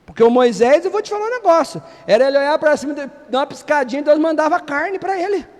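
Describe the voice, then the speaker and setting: A male pastor with a Brazilian Portuguese accent preaching an animated sermon, swinging between loud emphasis and quiet asides and acting out Bible scenes in casual voices. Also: very high voice, fast talker. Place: church hall. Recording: church with long reverb.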